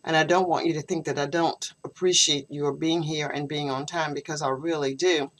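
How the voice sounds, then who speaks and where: A woman English teacher explaining her methods to a student in an online lesson, in a measured, explanatory way. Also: deep voice, steady tone. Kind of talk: online tutoring session. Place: home, video call. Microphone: computer video call microphone.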